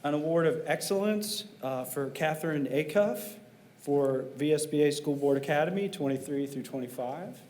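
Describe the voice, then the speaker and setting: A man's voice: on the high side, moderate pace, darkish tone. A man, the superintendent, reading out board awards at a meeting, with frequent fillers between names. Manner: reads names with many um and uh fillers. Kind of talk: formal award presentation.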